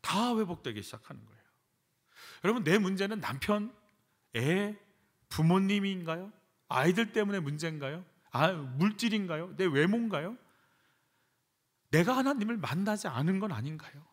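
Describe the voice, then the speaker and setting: A man's voice: high-pitched, lively intonation, moderate pace, long pauses. A man, a pastor, preaching a sermon in a church, acting out prayers with emphatic repetition. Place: church sanctuary.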